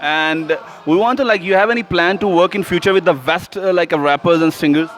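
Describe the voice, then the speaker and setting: A man's voice: high-pitched, brisk, fairly bright tone. A man with a South Asian accent hosting a celebrity interview in an effusive, flowery manner. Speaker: radio host interviewer. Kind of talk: celebrity interview, mixing Urdu and English.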